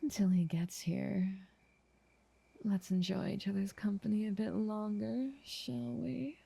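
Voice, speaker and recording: A woman voicing an ancient, motherly vampire in an ASMR roleplay, soft, half-whispered, doting and possessive, speaking in an unhurried, genteel way. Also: mid-range voice, flat delivery, vocal fry, breathy edge, exaggerated voice. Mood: tender, possessive.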